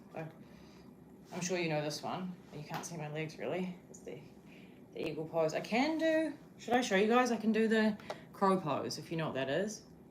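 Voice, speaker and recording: A woman with a New Zealand accent speaks at a medium pitch and a moderate pace, with lively intonation, big swings in loudness, and long, frequent pauses. Noticeable background noise and audible room echo fill the recording. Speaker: livestreamer. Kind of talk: casual chat. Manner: animated.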